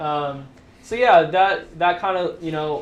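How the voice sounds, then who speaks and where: Audible room echo surrounds a man speaking. He has an American accent and ordinary pitch variation. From US Midwest. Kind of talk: interview. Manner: halting.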